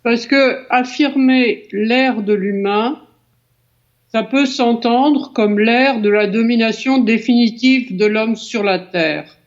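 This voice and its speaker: A woman philosopher answering in a panel debate with measured explanation and small restarts. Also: a little high. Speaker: philosopher guest. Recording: slightly dull lo-fi sound.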